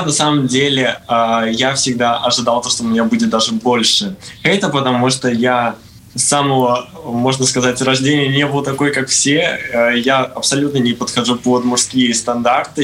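A man's voice: medium pitch, steady tone, moderate pace, a bit bright, low-quality recording. A young man talking casually about himself as an interview guest. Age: young adult. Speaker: TikTok content creator, guest.

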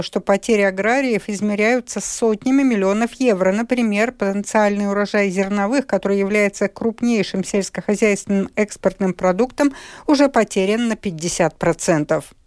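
A woman reading scripted radio news in a measured, even way. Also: medium pitch, no echo. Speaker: radio newsreader. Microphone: studio microphone. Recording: dry close studio sound.

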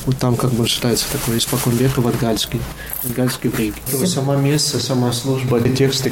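Young priest talking in an echoey church. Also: male voice, mid-range voice. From Latvia. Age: young adult. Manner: explanatory, searching for words. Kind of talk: interview conversation. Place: inside a church. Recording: echoey church with faint noise.

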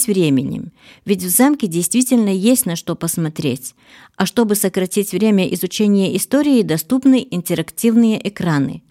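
A woman's voice: mid-range voice, warm tone. A woman radio reporter reading scripted feature narration.

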